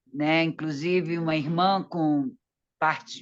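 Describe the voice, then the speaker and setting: This is an ordinary speaking voice with fairly even intonation. The background is quiet. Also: woman. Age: 60s. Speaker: astrology student. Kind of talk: testimony.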